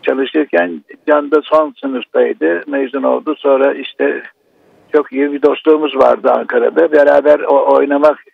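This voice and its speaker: Gravelly guy calling into a radio show, dry thin phone sound, lots of stops and restarts. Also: medium pitch, steady tone, dry recording. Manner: halting, grieving, many restarts and fillers. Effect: radio show caller on a phone line. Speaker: actor phoning in to a broadcast. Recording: tinny phone line.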